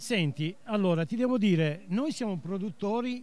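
A man at a fairly slow pace, in a dry sound with no echo. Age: 70s. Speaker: business owner; guest. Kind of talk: radio interview. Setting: live radio broadcast at a trade fair stand. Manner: halting. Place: hall. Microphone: studio mic.

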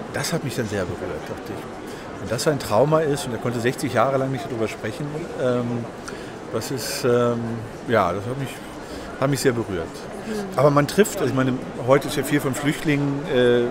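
A man talks at a moderate pace, leaving long, frequent pauses. Background noise is noticeable. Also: ordinary pitch variation. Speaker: interviewee. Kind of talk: interview answer. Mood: reflective, moved. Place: hall.

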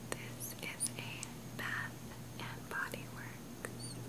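The woman talks very slowly. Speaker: ASMR creator. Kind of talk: ASMR whisper video. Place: home room. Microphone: studio mic.

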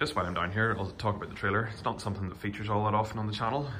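Light background noise sits under a man's speaking voice. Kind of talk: casual vlog walkthrough. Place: garage. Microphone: phone near.

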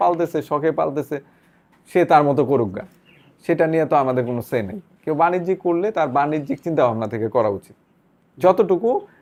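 Lively intonation marks this man's speech. He has an unremarkable speaking voice with a fairly high pitch. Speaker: goat farm owner and farming advisor. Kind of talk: live stream interview. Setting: office, live video stream.

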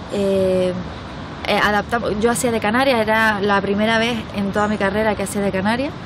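Over noticeable background noise, a woman talks at a moderate pace in a monotone, flat intonation. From Gran Canaria, Spain; Spain. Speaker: actress. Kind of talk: interview. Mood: warm, reminiscing. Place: garden.

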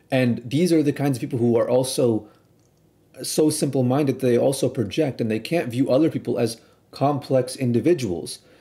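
The tone is dark, mellow and somewhat breathy, delivered at a moderate pace with ordinary pitch variation. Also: man, medium pitch for a man. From Indian heritage. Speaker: streamer. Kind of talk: monologue commentary.

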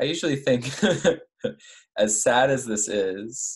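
Very wide pitch swings in a man's speech. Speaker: instructor. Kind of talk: lecture. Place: home room. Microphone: video call.

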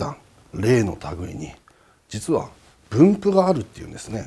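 With a dark, mellow, somewhat breathy tone, a man speaks at a moderate pace using very wide pitch swings. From Aomori, northern Japan. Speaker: ghost-story teller. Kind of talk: spoken ghost story. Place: studio.

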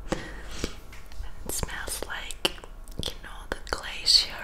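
Loud background noise runs under the clip. A woman talks at a very slow pace. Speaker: ASMR creator. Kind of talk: ASMR taste test, whispered food review to camera. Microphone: studio mic.

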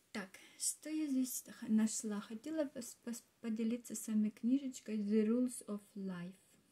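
Fairly high in pitch with ordinary variation, a woman speaks at a fairly slow pace and sounds somewhat breathy. She takes long, frequent pauses, and her loudness swings widely. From Ukraine. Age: 40s. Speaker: vlogger. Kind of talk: casual talk to camera. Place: home room. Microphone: lapel.

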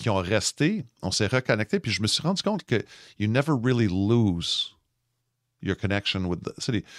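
A man talks at a moderate pace in a fairly low voice, an unremarkable speaking voice. The sound is dry and close with no echo, on a very clean recording with a silent background. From Montreal, Quebec (Verdun). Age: 40s. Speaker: city councillor. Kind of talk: casual interview chat.

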